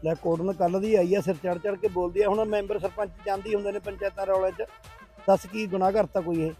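A man's voice: sits high, steady tone, quick pace, dark tone, faint music behind, close to an everyday voice. A man playing a village council member, dismissive and exasperated. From Punjab.

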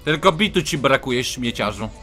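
A bright, lively male streamer voice that jumps around in pitch as he plays. He shouts and curses at strangers in an online game, mocking them in rough English. Faint music sits under his chatter. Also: normal speed. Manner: shouting, swearing, mocking other players in broken English. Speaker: gaming streamer. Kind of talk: loud, profane live gameplay commentary.

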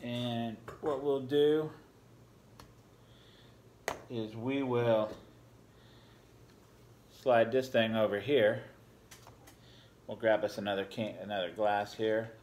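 A man in his forties gives a relaxed, rambling beer review full of fillers, talking at a table in a home bar room. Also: on the low side, takes it slowly, pauses often, slight background noise. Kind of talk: casual beer review vlog. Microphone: fixed camera at a table.

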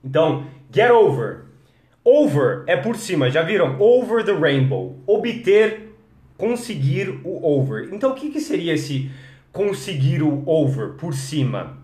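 Energetic Brazilian man teaching English live. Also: on the high side, measured pace, reverberant. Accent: Brazilian Portuguese. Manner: energetic, coaching, addresses viewers as guys. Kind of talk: live-streamed English lesson.

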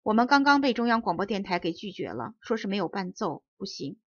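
A woman's voice: medium pitch, sing-song, brisk, no room sound. Woman doing a bold little black mouse. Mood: earnest. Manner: confident, fluent. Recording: dull dry audiobook recording.

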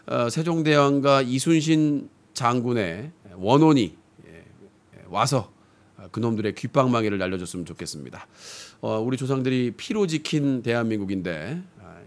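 A man's voice: on the low side, lively intonation, moderate pace. A man in his thirties with a sore throat, hosting a satirical live stream in a blunt, filler-heavy rant. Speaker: streaming news-comedy host. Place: small room with fish tank, indoors. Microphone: desk mic on stand, webcam framing.

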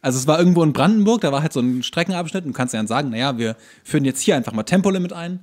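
A man's voice: fairly high pitch, lively intonation, rapid-fire, darkish tone. A man co-hosting a podcast in casual comedic chat, ranting with sarcasm and exasperation. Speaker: podcast host.

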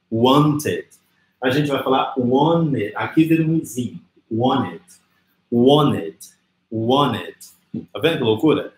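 A Brazilian man teaching an English lesson in Portuguese, slowing down to model English phrases. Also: mid-range voice, echoey room, rough recording. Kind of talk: live online English lesson.

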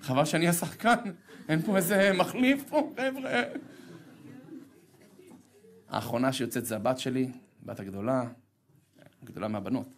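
A rabbi giving a sermon, telling a personal story with humor and acting out the voices of others. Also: male voice, long pauses. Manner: animated, humorous, self-deprecating storytelling; acts out dialogue with sharp pitch jumps.

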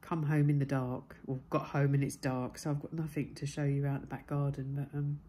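A woman in her forties talks casually into a phone held at arm's length, her voice low and mellow. Her nose sounds blocked, giving a congested tone, and a faint hiss of background noise sits behind her. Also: little pitch movement, a little fast. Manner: chatty, chirpy and warm. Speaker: vlogger. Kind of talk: casual daily vlog chat. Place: home and car, indoors. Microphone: phone camera at arm's length.

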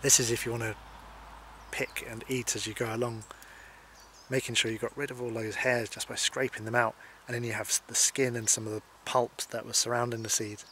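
A man in his forties from Scotland, calmly explaining wild plants as a foraging instructor, speaking to camera outdoors by hedges. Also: medium pitch. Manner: calm, explanatory, unhurried. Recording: faint outdoor noise.

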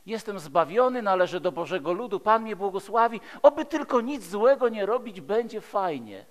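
A man's voice: high voice, big pitch swings, moderate pace. A man in his fifties from Poland preaching a sermon in an emphatic, rhetorical manner with repeated phrases. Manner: emphatic, rhetorical, with repeated phrases and dramatic swings between loud and hushed. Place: large church hall, speaking from a pulpit. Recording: echoey hall with long reverb.

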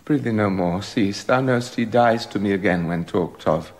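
An actor playing a remorseful king in a radio drama, halting and stammering with emotion. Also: fairly low pitch, darkish tone. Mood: troubled. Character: remorseful king, haunted by guilt.

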